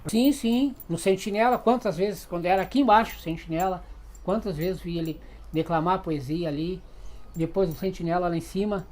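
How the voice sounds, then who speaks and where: A woman's voice: fairly low pitch, normal speed, a little mellow. A woman, speaking emphatically in a documentary interview. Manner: fervent, emphatic.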